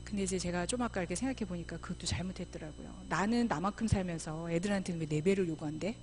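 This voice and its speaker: A middle-aged woman missionary giving a church seminar talk, lively, often acting out mothers and children in quoted voices. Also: lowish voice, fast talker, a little hiss or hum. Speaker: missionary speaker. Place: church sanctuary.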